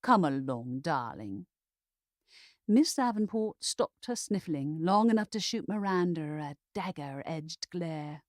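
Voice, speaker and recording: A woman reading a comic Regency romance as an expressive audiobook narrator. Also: on the low side, measured pace, few pauses, dry recording, studio quality.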